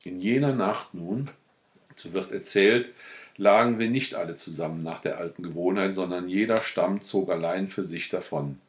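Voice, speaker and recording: A man narrating a classic literary story as an audiobook, in a measured storytelling manner. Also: low voice. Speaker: audiobook reader.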